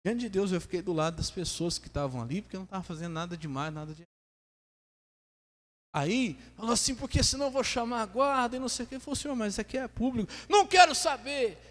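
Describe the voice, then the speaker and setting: A man with a Brazilian Portuguese accent preaching a sermon as pastor, lively, calling on the congregation to say amen. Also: sits high, quick pace. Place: church hall. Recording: long church reverb.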